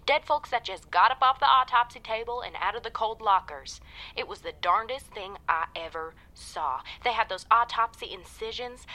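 A woman's voice: medium pitch, bright, forceful tone, rough recording. A woman playing a hospital worker calling a radio show, telling her story in a folksy, breathless way.

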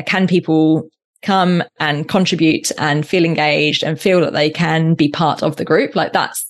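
A woman with a notably low-pitched voice talks as a guest on a workplace learning podcast. She is reflective and thinks aloud, circling back and restarting her sentences in relaxed conversation. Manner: reflective, with frequent restarts and fillers.

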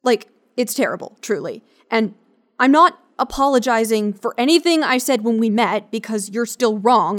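A woman's voice: mid-range voice, close to an everyday voice. An actress playing a flippant, awkward woman scientist in an audio drama, with a casual, slangy, blurting manner. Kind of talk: naturalistic audio drama acting.

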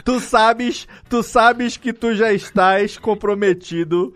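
A man hosting a casual live podcast, excitable and joking, often cutting in and repeating himself. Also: sits high, slow pace. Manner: excitable, interrupts, jokes, repeats words. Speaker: podcast host.

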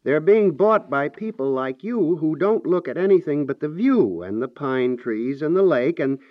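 Male actor as dry professional adviser, deliberate understatement, highish swooping pitch, 1950s radio comedy. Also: lively intonation, dry recording, natural voice. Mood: dry, matter-of-fact. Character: dry, measured male property adviser delivering bad news. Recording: dull 1950s radio recording.

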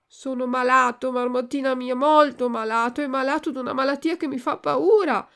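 A woman's voice: high-pitched, steady tone, normal speed, a bit bright, smooth, voice pushed up. Woman doing a wailing puppet boy. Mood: frightened. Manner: wailing, pleading, rising to cries. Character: frightened, remorseful wooden puppet boy.

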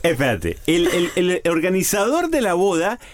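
A man's voice: high voice, normal speed, background noise. A man hosting a talk show, asking questions and announcing segments in a casual way. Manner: lively, asks many questions. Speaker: host.

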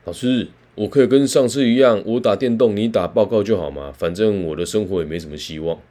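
A man's voice: on the low side, a little fast, warm tone, natural voice. A man voicing a listless, cheeky teenage student with a drawling, offhand way of talking.

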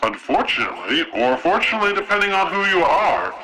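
A man voicing a pompous male arena announcer whose magically amplified, booming voice proclaims grandly over a crowd. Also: big pitch swings, quick pace, sharp tone, low-quality recording. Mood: grandiose. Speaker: game master.

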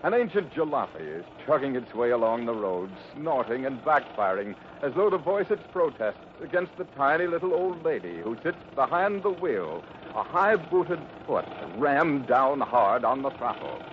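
Man, vintage radio narrator, dramatic scripted delivery, animated pitch, dull noisy audio. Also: moderate pace. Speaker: announcer and narrator. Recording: muffled, clearly noisy 1950s radio recording.

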